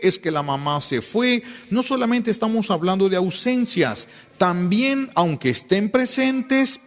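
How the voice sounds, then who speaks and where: A man's voice: sits high, long reverb tail. A man, a priest giving an emphatic sermon and repeating key phrases for weight.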